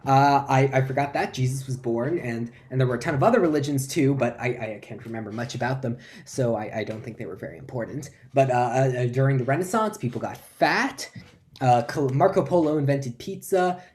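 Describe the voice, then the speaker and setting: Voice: mid-range voice, fairly quick, a little mellow, lightly acted. A performer playing a flustered, forgetful lecturer who stammers and repeats words through a comic stage monologue. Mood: rambling, unsure.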